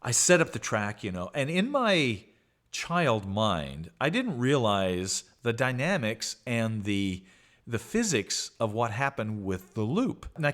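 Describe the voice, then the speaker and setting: A man hosting a podcast, telling a story with animated delivery and acted-out childhood voices. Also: mid-range voice. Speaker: podcast host.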